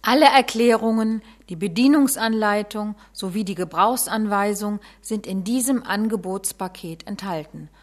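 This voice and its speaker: A woman giving a persuasive, barker-style sales pitch, calling people over to her stand. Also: normal speed, hardly any pauses.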